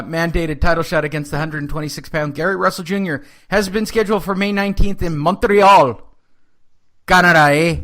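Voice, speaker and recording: A man's voice: a little high, a bit bright. A man hosting a boxing news podcast, reading headlines and making sarcastic asides in casual chat. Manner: sarcastic, reads news items with running jokes. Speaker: podcast host.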